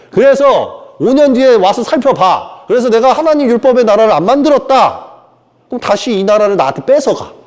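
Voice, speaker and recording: A man's voice: high-pitched, darkish tone. A man giving an informal sermon lecture, rambling and mocking, acting out quoted voices. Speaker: preacher.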